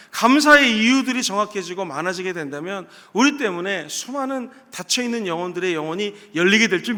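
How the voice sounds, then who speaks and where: A man pastor telling a story in a sermon, rising now and then to loud exclamations. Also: sits high. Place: church sanctuary. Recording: reverberant church hall.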